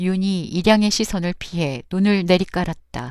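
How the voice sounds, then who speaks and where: A woman talks at a very slow pace with a medium pitch and ordinary pitch variation. The recording is very clean, with a silent background. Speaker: audiobook reader. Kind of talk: audiobook reading of a children's novel. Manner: soft-spoken, calm.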